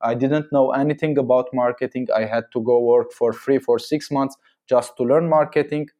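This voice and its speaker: Mellow man. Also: mid-range voice, fairly even intonation, normal speed. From Syria. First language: Armenian and Arabic. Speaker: podcast guest, marketing agency founder. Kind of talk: casual conversational interview answers.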